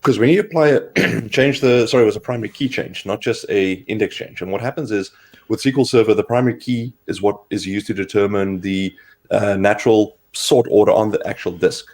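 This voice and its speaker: Hoarse guy with a cold, low voice, rambling through a tech story on a stream. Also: fairly quick. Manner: explanatory, rambling with fillers. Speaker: co-host. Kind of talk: casual tech livestream talk.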